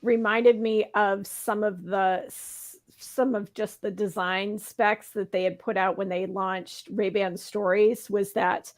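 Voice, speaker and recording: A woman hosting a talk show in a casual panel chat, a little hoarse, chatty and often laughing. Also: mid-range voice, fairly even intonation, takes it slowly, hardly any pauses. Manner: chatty, laughs often, asks rhetorical questions.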